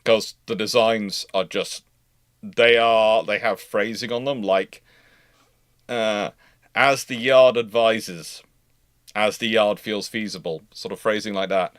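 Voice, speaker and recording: A man's voice: fairly low pitch, steady tone, a bit bright, dry recording. Man explaining things on a dry, close recording. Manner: halting, repeats and rephrases phrases mid-thought. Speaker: host answering viewer questions on a live stream. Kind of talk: casual live Q&A with expert explanation.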